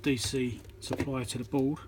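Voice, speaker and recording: Man, mid-pitched voice, informal repair demonstration, matter-of-fact, talks through each step, phone recording with noticeable background noise. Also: steady tone, moderate pace. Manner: matter-of-fact, thinking aloud while working. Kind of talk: informal hands-on tutorial commentary. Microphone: phone on a tripod.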